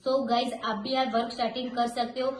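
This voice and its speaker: A 22-year-old woman from Gujarat giving a steady, measured testimonial about her business. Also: a little high. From Gujarat, India. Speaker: network marketing member. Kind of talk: testimonial self-introduction. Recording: echoey room.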